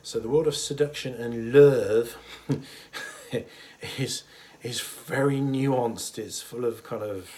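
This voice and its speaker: A man with a cold and a husky voice, talking casually and thoughtfully to camera about a mental health topic, pausing often with fillers. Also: mid-range voice. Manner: thoughtful, hesitant with many fillers, chuckles softly. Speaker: therapist. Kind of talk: casual educational talk to camera.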